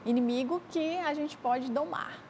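A woman hosting a faith-based morning talk show, her voice sitting a little high. She guides the conversation and steps in to complete her guest's thoughts. A faint hiss runs under the studio sound. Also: unhurried, darkish tone. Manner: interviewing, prompting and finishing the guest's sentences.

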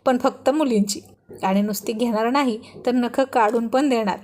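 A woman's voice: a little high, moderate pace, darkish tone, a little hiss or hum, close to an everyday voice. A woman reading a storybook, voicing a teasing, playful young husband in a bantering, mock-stern way.

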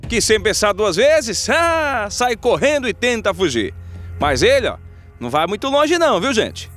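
A man's voice: high-pitched, very animated, normal speed, a bit bright, faint music behind. A man narrating news footage in a playful scripted way, with jokey asides to viewers.

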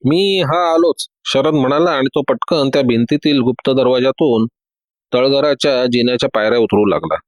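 A man narrating a detective audiobook in a steady storytelling manner. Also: medium pitch, fairly quick, no room sound.

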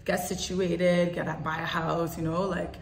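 A woman's voice: fairly low pitch, flat delivery, normal speed, echoey room. Chatty young woman from Canada. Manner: chatty, laughs often. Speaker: guest. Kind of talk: casual conversation.

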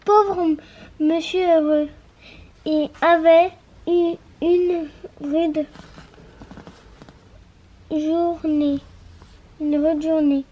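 A person with a French accent slowly reading a bedtime story aloud, word by word. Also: female voice, very high voice, lo-fi sound. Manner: slow, word by word, even.

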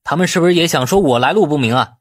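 A man voicing a quick-tempered, proud male heir in an audiobook drama, speaking emphatically and indignantly. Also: a little high, expressive, breathy edge, voice pushed up. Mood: angry.

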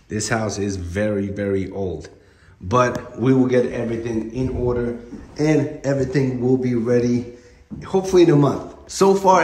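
A man in his thirties, a real estate investor who vlogs, films a renovation walkthrough on his phone as he moves through an empty house indoors. He explains each step in a plain, matter-of-fact way, his mid-range voice a little mellow. The empty rooms sound echoey.

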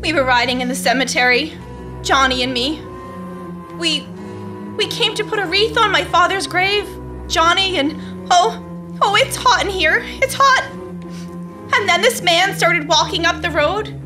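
Woman acting a very high-pitched panicky young survivor. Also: lively intonation, a little slow, pauses often. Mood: dazed. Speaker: stage actor reading a script. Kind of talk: live radio-play acting. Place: theater stage. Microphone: stand microphone. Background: loud music.

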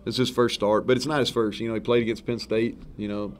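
A man in his thirties, a head football coach, sits at a press table crowded with microphones in front of a sponsor backdrop, answering post-game questions. His medium-pitched voice moves at a quick pace, rambling and correcting himself in a relaxed, frank way. A little hiss or hum sits under the audio.

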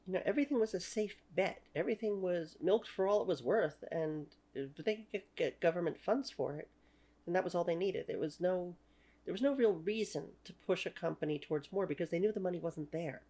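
A woman's voice: on the low side, brisk, mellow. A woman in her thirties with a Canadian accent and French as her first language, giving an opinionated talking-head history lecture at home with many "you know" fillers. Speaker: history channel host. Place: small room at home.

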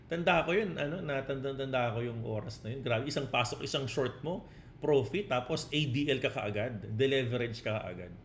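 This man's medium-pitched voice moves at a normal speed, with a slight hiss or hum in the audio. He coaches crypto trading on a relaxed livestream, mixing Tagalog with English, reading out viewer comments and tagging remarks with "no?" and "di ba?"

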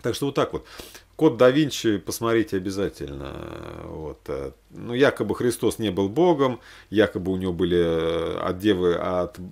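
Low-voiced man chatting off the cuff. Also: expressive, normal speed, gravelly, a little mellow. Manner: rambling, thinking aloud, hesitant asides. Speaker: religious vlogger recommending films. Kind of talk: casual, unscripted chat to camera. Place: small room at home, indoors.

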